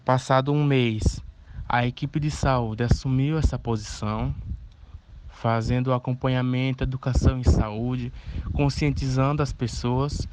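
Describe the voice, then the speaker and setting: A Brazilian man giving explanatory interview answers on a slightly noisy recording. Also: mid-range voice.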